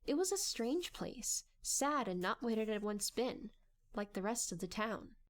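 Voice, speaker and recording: A woman's voice: fairly high pitch, big pitch swings, measured pace. A woman reading scripted story narration in a dramatic audiobook style.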